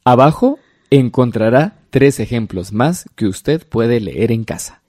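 Lively man explaining a lesson. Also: mid-range voice, slow pace, no echo, clean studio sound. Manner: lively explanatory reading of examples. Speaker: teacher. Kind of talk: educational broadcast lesson.

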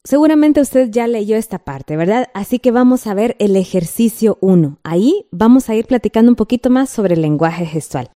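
A woman's voice: on the high side, animated, normal speed, hardly any pauses, warm tone. A woman with a Guatemalan accent teaching a textbook lesson, patient and checking in often with the listener.

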